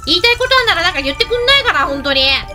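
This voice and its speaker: A woman giving lively gameplay commentary, chatting to the game characters and to her viewers. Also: very high voice, very fast, soft background music. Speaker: game video host.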